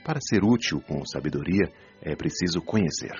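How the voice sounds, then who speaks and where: A man playing a spirit friend who gives measured, didactic explanations in an audiobook radio drama. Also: deep voice, animated, a little mellow, slightly rough, full character voice. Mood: calm, instructive. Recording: muffled lo-fi audio with music.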